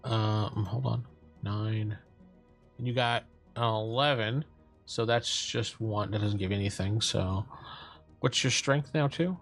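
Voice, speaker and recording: A man's voice: lowish voice, takes it slowly, fairly bright tone, faint music behind. A man running a tabletop game as game master, joking and laughing often as he narrates. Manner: jokey, laughs often, slips into silly voices.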